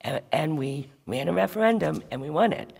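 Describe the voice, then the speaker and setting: Councilwoman at a town meeting, gravelly husky voice, insistent, lots of hall reverb. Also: low-pitched, animated, fairly quick, a little mellow. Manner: firm, insistent, repeats points. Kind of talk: public meeting remarks. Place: large school auditorium.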